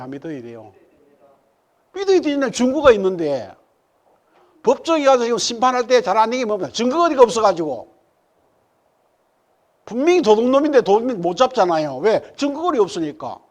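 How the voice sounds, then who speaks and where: A man preaches from a church sanctuary, pressing his congregation with one rhetorical question after another. His delivery rises to loud, forceful high points, then drops into quiet, muttered asides.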